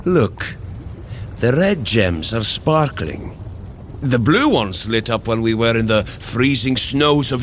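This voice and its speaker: An actor playing a hearty, dutiful elder-brother thunder god in an audio drama, with a grand, earnest delivery. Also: male voice, mid-range voice, a bit bright, slight background noise. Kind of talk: scripted audio drama acting for a fitness app.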